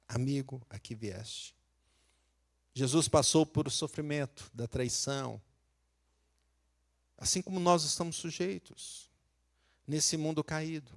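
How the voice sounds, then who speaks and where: A Brazilian man from Minas Gerais preaching a sermon as pastor, talking conversationally, asking the congregation questions and acting out quotes. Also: medium pitch. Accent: Brazilian Portuguese, Minas Gerais.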